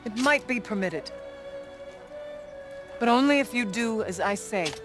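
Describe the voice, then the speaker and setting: A man's voice: high voice, expressive, measured pace. An actor playing a commanding tribal shaman in a video game, with formal, imperious delivery. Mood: stern, imperious. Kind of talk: dramatic video game cutscene acting. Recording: music under the voice.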